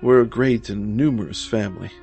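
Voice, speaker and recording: A man voicing a scheming, falsely caring gentleman with a measured, insinuating delivery in a gothic horror story. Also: lowish voice, gravelly. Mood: falsely concerned. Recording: music behind the voice.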